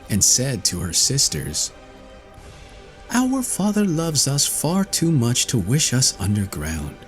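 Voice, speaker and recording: A man reading a fairy tale as an audiobook narrator, in a scripted storytelling style. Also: lowish voice.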